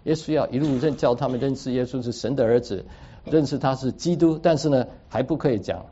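A man's voice: medium pitch, a little fast, mellow, breathy edge. A man preaching a sermon, teaching through a Bible passage in an explanatory way and dropping English words into his speech. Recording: dull lo-fi recording.

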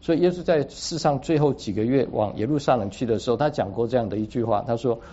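Husky guy teaching a sermon, explains stuff, throws in english words, muffled lo-fi sound. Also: mid-range voice, fast talker, warm tone. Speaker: preacher. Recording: dull lo-fi recording.

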